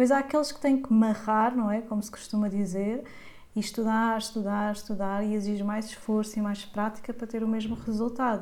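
Delivered in a monotone with flat intonation at a fairly quick pace, the speech carries a European Portuguese accent. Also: woman, fairly high pitch for a woman. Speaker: podcast host, career transition coach. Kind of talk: casual chat.

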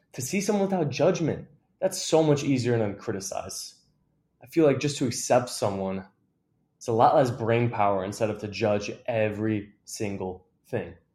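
In a very clean recording with a silent background, a man speaks at a moderate pace in a medium pitch, his somewhat breathy voice dark and mellow in tone, with lively intonation. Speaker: podcast host. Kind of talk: casual monologue. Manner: animated.

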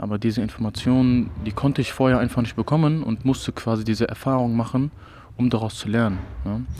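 With a dark, mellow tone and medium pitch, a man speaks at a very fast pace with fairly even intonation and long, frequent pauses. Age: 20s. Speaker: fitness coach and sports student. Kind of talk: casual interview. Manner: hesitant, many filler sounds.

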